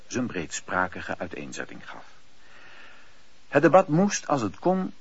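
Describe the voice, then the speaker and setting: A man with a gravelly, husky voice reading scripted narration for a radio drama. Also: on the low side, no room sound, exaggerated voice. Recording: dry, dull lo-fi radio recording.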